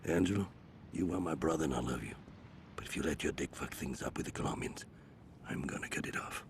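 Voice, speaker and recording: An actor playing a commanding, hot-tempered Hispanic cartel boss in a video game, with a Spanish accent and Spanish mixed in. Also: male voice, a bass voice, a little fast, vocal fry, slight background noise. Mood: cold, commanding.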